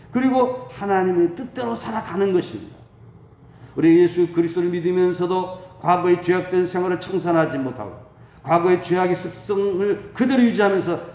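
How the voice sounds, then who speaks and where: Preaching a dawn prayer sermon, a pastor with a high, slightly mellow voice speaks with fervor and exhortation. He asks rhetorical questions and answers them himself, and the room is echoey with faint noise behind him.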